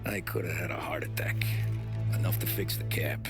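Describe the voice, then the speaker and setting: An actor playing a weary, plain-spoken young American cab driver in a cinematic video game. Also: male voice, deep voice, moderate pace, in a whisper, music in the background, natural voice. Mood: reflective. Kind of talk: scripted game dialogue and reflective narration.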